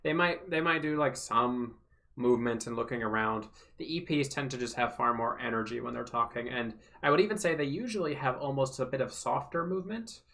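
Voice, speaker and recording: A man on a casual home livestream, answering viewers' questions in a loose, rambling way full of ums and likes. His tone is bright and forward, sitting in a middle pitch for a man. After hours of talk his voice is wearing hoarse. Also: fairly quick. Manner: rambling, filler-heavy, thinks aloud. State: voice going hoarse from long talking. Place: home room.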